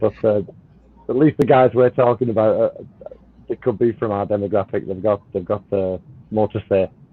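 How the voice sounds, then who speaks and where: A man talks at a moderate pace with a fairly low pitch. His intonation stays fairly even, broken by long, frequent pauses. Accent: British. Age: 40s. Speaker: race marshal. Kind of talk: interview.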